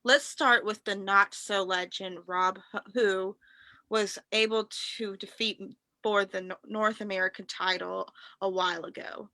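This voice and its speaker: Woman playing an arrogant, sharp-voiced wrestling prince. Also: mid-range voice, fairly even intonation, no echo, low-quality recording. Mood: smug, mocking. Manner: haughty, halting taunts. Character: arrogant royal wrestler prince, smug and scornful. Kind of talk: staged reading of wrestling promos.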